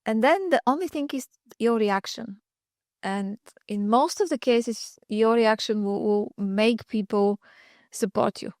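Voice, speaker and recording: A woman's voice: fairly high pitch, measured pace, dry recording, studio quality. Woman podcast host asking questions. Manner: warm encouraging questions, frequent short agreements. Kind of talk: podcast interview.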